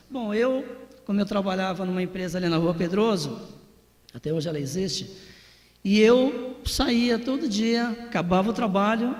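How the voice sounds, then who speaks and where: A man's voice: sits high, long reverb tail. A Brazilian man, preaching a sermon and telling his own story in a conversational way, talking straight to the congregation. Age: 40s. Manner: conversational, addresses the congregation directly, tag questions. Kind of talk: sermon with personal testimony.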